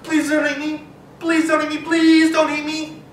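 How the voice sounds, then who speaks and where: Man playing a high, squeaky, excitable young female mouse for a storybook tale. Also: normal speed, echoey room, far from the mic, slight background noise. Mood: pleading. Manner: squeaky, eager, breathless pleading.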